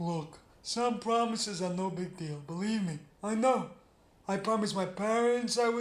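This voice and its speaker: A man speaks at a moderate pace in a put-on character voice, pitched high for a man. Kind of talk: playful character voice. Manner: goofy, exaggerated.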